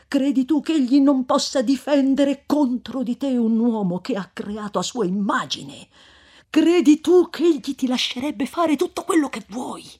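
A woman reading aloud and voicing a stern old male friar who rebukes sharply at times and turns slow and grave at others. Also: mid-range voice, slightly rough, voice pushed up. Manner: stern scolding, rising to cries, then slow and hushed.

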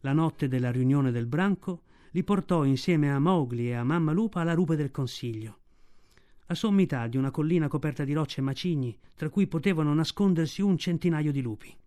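A man reading a classic story aloud as a radio audiobook narrator, with expressive storytelling. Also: fairly high pitch, a little fast. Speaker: audiobook reader. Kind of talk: scripted narration.

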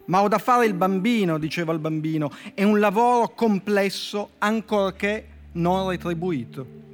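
A man with a Turin accent, a poet guest on a radio show, reading his short comic fables in a dry, deadpan way with slow pauses before the punchlines. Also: high voice. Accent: Italian, from Turin. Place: radio studio. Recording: music bed playing faintly behind.

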